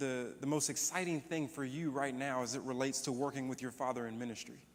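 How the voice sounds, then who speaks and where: A man speaks at a fairly quick pace with a fairly high pitch and fairly even intonation. It is a plain, everyday voice on a very clean recording with a silent background. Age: 30s. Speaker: preacher. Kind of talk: sermon.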